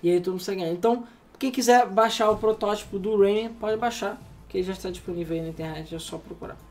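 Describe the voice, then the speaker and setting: Fast-talking sleepy man in casual chat. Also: sits high, a little mellow. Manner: rambling, swears freely. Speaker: podcast co-host. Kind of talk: casual gaming news chat.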